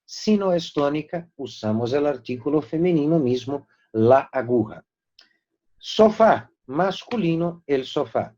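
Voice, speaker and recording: A man teaching a recorded Spanish grammar lesson, emphatic and slowing down to spell out example words. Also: on the high side, lively intonation, dark tone. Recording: dull lo-fi recording.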